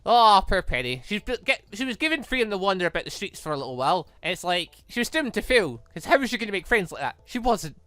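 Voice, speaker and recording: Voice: mid-range voice, sing-song, quick pace, few pauses, bright, forceful tone, dry recording. A gaming YouTuber giving casual, rambling and exclamatory commentary on a game. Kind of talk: casual game commentary with read-aloud dialogue.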